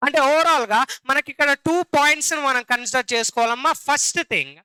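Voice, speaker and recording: A man's voice: very high-pitched, quick pace, pushed and bright, no room sound, rough recording. A man with a Telugu accent teaching a classroom lecture, often repeating questions and calling on his students for answers.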